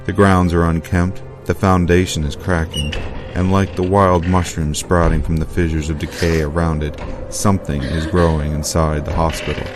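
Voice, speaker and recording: A man with an extremely deep voice narrates a horror trailer in an ominous, dramatic read. Music sits clearly behind him. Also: flat delivery, normal speed.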